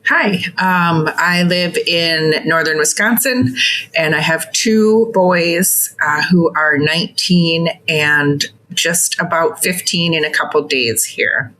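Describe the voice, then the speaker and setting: A woman's voice: deep voice, slow pace, pushed and bright, low-quality recording. A middle-aged woman giving considered, conversational answers as a podcast panel guest.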